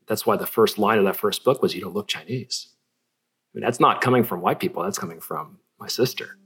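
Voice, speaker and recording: Husky low-voiced man from California. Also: fairly quick, a bit bright. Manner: reflective, self-deprecating, many restarts and fillers. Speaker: guest artist and filmmaker. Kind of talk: relaxed conversational interview.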